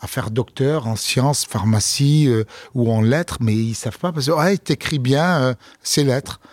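A man's voice: mid-range voice, a little slow, no room sound, clean studio sound. A man, a comedian, talking casually in an interview, telling stories with fillers and restarts. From France. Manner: relaxed storytelling, many fillers and restarts. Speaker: comedian guest.

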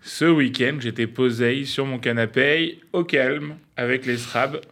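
A man's voice: medium pitch, fairly even intonation, measured pace, vocal fry, fairly bright tone. A young man giving a scripted, playful radio column, mock-pompous and laughing at his own jokes.

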